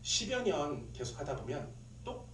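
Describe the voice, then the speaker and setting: A man preaching with a somewhat high and very lively pitch. He swings into acted scolding and chuckles at his own anecdotes. He sounds a little off-mic in a reverberant sanctuary with faint background noise. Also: unhurried, recorded from a distance. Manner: animated, acts out scolding in quoted lines, laughs at own stories. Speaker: pastor. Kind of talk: sermon. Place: church sanctuary. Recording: echoey room, speaker away from mic, faint noise.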